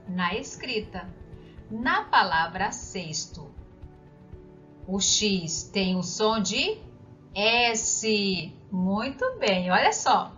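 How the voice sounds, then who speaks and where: Woman teacher, recorded lesson, very lively pitch, dull lo-fi sound with faint music. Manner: slow, clear, didactic, asks the listener questions. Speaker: primary school teacher.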